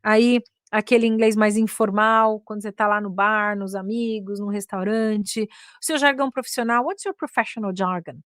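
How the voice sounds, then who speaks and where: A woman's voice: mid-range voice, steady tone, moderate pace, fairly bright tone, dry recording, studio quality. A Brazilian woman with a Brazilian accent, giving a casual English lesson and switching between Portuguese and English with lots of "né?" and "ok?" tags. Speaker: English teacher.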